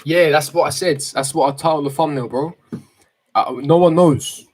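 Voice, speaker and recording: A man's voice: on the high side, moderate pace, darkish tone, husky. A man, chatting casually and giving slangy, opinionated answers to viewers on a livestream, repeating himself for emphasis. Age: 18, late teens. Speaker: football fan streamer. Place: small bedroom, indoors. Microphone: desk microphone close in front.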